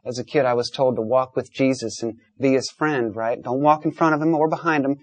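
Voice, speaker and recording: A man's voice: medium pitch, a little fast, dry recording. A man hosting a call-in debate, talking in an emphatic, blunt, lecturing way. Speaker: talk show host.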